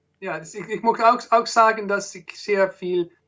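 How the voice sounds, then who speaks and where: A man talks with a Dutch accent. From Netherlands. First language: Dutch (speaking German). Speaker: children's musician. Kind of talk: interview. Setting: phone call. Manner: halting.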